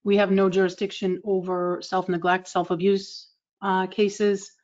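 Woman, Massachusetts accent, flat intonation, agency update, slightly muffled call. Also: mid-range voice, unhurried. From Massachusetts, United States. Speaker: state agency representative. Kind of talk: informal progress report in a meeting. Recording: slightly dull online meeting audio.

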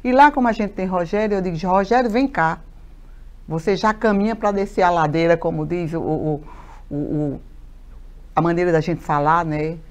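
Animated woman in her fifties. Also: lowish voice, moderate pace. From Paraíba, Brazil. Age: 50s. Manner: animated, gestures a lot, many fillers and repetitions. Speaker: mayor, interview guest. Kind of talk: TV studio interview. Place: TV studio. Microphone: lapel mic.

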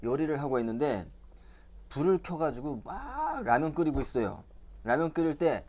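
A man's voice: on the high side, sing-song, moderate pace, darkish tone. A male English vocabulary teacher giving a playful lesson to young children, coaxing them with quiz questions and frequent chuckles.

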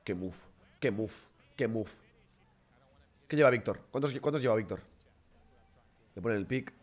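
A young man giving excitable live reaction commentary on a basketball game, bursting into shouts. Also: lowish voice, measured pace.

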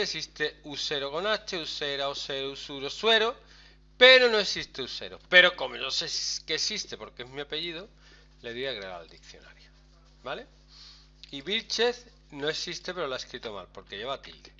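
Lively teacher with a bright voice. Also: male voice, medium pitch. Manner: lively, chatty, explains step by step with frequent "¿vale?". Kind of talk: screen-recorded software lesson.

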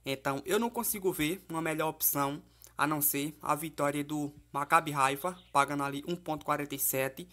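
A man's voice: fairly high pitch, fairly quick, sharp tone. Male tipster, voice-over, casual and chatty, frequent tag questions to the audience. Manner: chatty, fillers like "né?" and "beleza?", addresses viewers as "família" and "galera". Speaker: football betting tipster. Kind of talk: casual betting-tips commentary over app screenshots. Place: voice-over, not recorded in the pictured place.

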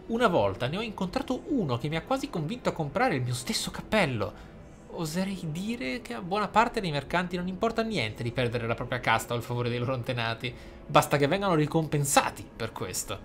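A man reading game journal entries aloud for a let's play, measured and slightly theatrical, with short asides. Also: fairly high pitch, animated, a bit bright, faint music behind. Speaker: gaming YouTuber. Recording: clear background game ambience noise.

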